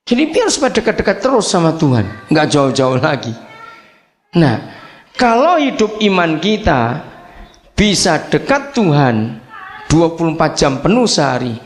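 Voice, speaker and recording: A man's voice: sits high, slight background noise. An older man preaching a sermon, emphatic and repetitive, calling for amens and acting out dialogue as he tells stories. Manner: animated storyteller acting out dialogue. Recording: echoey hall.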